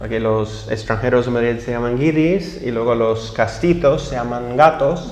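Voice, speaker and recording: Recorded with audible room echo and noticeable background noise, a man speaks fairly slowly at medium pitch with ordinary pitch variation and hardly any pauses. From Texas, US. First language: English (speaking Spanish). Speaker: writer and translator. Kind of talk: interview. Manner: halting.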